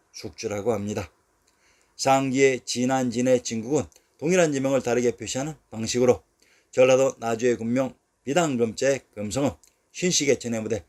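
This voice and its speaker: A man giving a scripted history narration, reading long lists of place names at a measured, steady pace. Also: mid-range voice.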